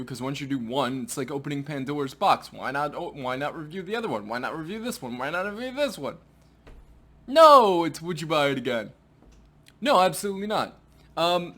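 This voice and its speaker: Chatty, animated man reviewing snacks. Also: fairly high pitch. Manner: chatty and animated, with playful asides. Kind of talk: casual food review vlog.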